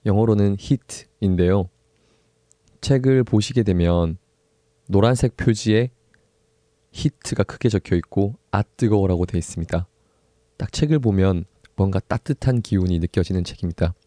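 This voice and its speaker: A young man with a low, deeply mellow voice hosts a solo book podcast. He talks in an unhurried, soft-spoken way, pausing often and laughing lightly now and then. The sound is close and completely dry. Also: dry recording. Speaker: podcast host.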